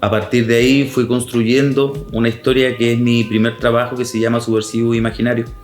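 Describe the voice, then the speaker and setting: A man speaks in a monotone, flat intonation with music in the background. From Chile, Coquimbo region (Tongoy). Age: 40s. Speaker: writer and history teacher. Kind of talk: interview monologue. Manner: hesitant, many fillers.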